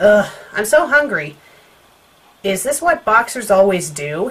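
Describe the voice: This put-on character voice is whiny and fairly high-pitched, moving at a fairly slow pace with very wide pitch swings.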